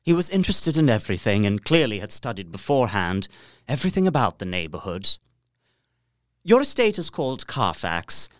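A man's voice: on the low side, big pitch swings, brisk, no room sound, clean studio sound. An actor playing a polite, observant and uneasy young solicitor, narrating his journal earnestly and precisely in a gothic audio drama. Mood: polite, businesslike. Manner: precise, earnest, theatrical storytelling.

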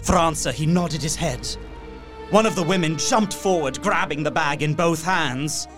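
A man's voice: on the high side, moderate pace, fairly bright tone, faint music behind, close to an everyday voice. An actor playing a horrified young solicitor, narrating his journal in an earnest, formal way for a radio play. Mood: aghast. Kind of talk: dramatic first-person narration, radio play.

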